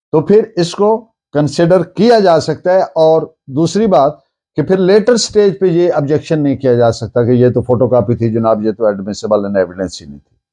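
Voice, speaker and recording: A man with a Pakistani accent giving an explanatory law lecture, deliberately repeating and rephrasing key points. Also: on the high side, mellow.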